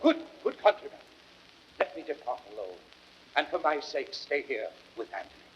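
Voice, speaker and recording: An actor playing a proud, earnest Roman statesman, declaiming deliberately in classical Shakespearean radio-drama style. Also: mid-range voice, big pitch swings, slight background noise, close to an everyday voice. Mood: earnest entreaty. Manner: declamatory, deliberate, rhetorical delivery. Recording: dull vintage record sound.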